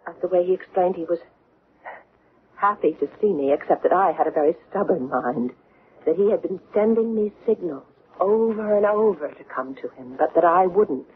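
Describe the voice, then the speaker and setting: A woman's voice: lowish voice, expressive, normal speed, natural voice. Actress as bewildered young woman on tinny radio. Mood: hesitant, earnest. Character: bewildered young woman recounting her alien abduction. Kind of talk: old-time radio drama acting. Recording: tinny, band-limited, noisy radio recording.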